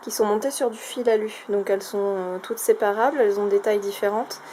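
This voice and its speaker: A woman's voice: medium pitch, fairly even intonation, a little fast. A woman casually showing a craft shopping haul, talking in a chatty, hesitant way with many fillers. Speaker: craft vlogger. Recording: noisy home recording.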